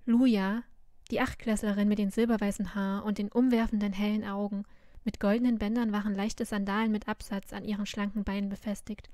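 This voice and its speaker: A woman reading a fantasy novel aloud, telling it in an even, measured way. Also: medium pitch, dry recording, clean studio sound. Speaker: reader of a web novel.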